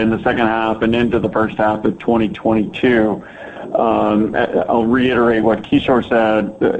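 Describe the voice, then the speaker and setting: Male finance executive, informal phrasing, phone-line sound, faint hiss, medium pitch. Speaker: company finance executive on earnings call. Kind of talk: answering analyst questions on a conference call. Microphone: telephone conference line.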